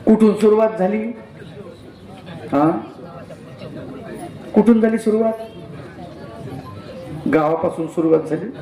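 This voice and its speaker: A man in the role of a religious teacher, telling a parable in a lively sermon and acting out the voices in the story. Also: sits high, slow pace, long pauses, reverberant, a faint crowd, rough recording.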